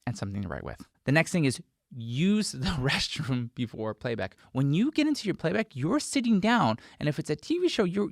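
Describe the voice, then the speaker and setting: A man's voice: on the high side, dry recording, studio quality. An American man in his forties hosting a conversational instructional talk, stressing his advice emphatically. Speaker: host, sound mixer. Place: small indoor post-production studio. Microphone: desk microphone close in front.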